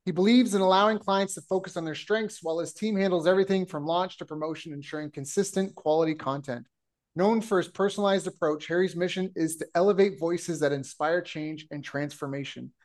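A man's voice: fairly high pitch, brisk, a little mellow. A man hosting a podcast, reading a guest introduction and then asking questions with playful teasing. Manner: playful, joking teases. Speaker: podcast host. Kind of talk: casual interview.

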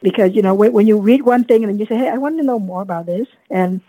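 Woman in her fifties, from Vietnam, earnest reflective storyteller, soft mellow tone, dry close mic. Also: mid-range voice, fast talker, no room sound, low-quality recording. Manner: earnest, reflective storytelling with many "you know" fillers. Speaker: guest, dentist and coach. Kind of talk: casual podcast interview.

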